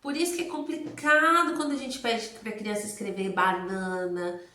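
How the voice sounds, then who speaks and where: Brazilian lady teacher explaining stuff, asks herself questions n answers, mid pitched, sounds roomy. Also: steady tone, normal speed, bright, forceful tone. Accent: Brazilian Portuguese. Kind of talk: recorded lecture on early literacy. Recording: roomy, echoey recording.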